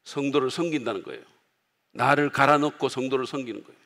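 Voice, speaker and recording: A man preaching as pastor to his congregation, in a conversational sermon style, loudly acting out the quoted outbursts of others. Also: medium pitch, fast, long reverb tail. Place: church sanctuary.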